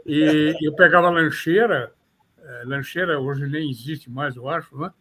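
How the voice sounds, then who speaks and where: An older man from São Paulo with a São Paulo Portuguese accent, a criminal defense lawyer recalling his career in measured, formal interview answers. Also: on the high side, fairly bright tone, slight background noise. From São Paulo, Brazil. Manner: measured, formal, slightly florid phrasing.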